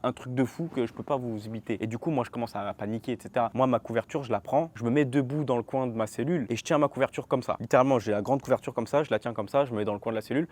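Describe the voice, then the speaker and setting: A man in his twenties tells a story from his own life in a casual vlog. He talks very fast and keeps turning to address his viewers directly. His pitch sits in the middle range. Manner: animated, talks straight to viewers. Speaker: vlogger.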